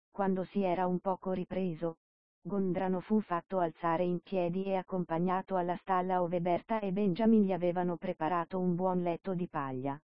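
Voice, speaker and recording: A woman narrating a novel in a measured, steady storytelling manner. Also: fairly low pitch, no echo. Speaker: audiobook narrator. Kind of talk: scripted narration. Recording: dull dry lo-fi recording.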